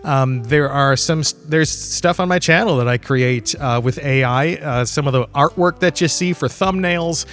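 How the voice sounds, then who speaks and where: A man's voice: a little high, moderate pace, few pauses, fairly bright tone, soft background music. A man hosting a solo podcast, talking in a casual, rambling, candid way with loose swearing and chuckles mid-sentence. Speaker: podcast host.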